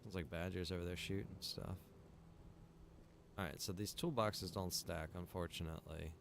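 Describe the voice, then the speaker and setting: A man giving casual livestream commentary on a game, rambling and thinking out loud. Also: low-pitched, fairly even intonation, moderate pace, creaky, background noise. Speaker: game streamer.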